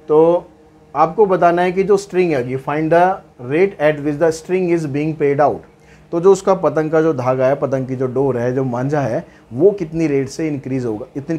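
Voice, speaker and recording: Pitched on the high side with a dark tone, this male maths teacher works through problems one step at a time, chatting as he goes and answering the questions he raises himself. When reading the English problem text, he goes slowly and deliberately.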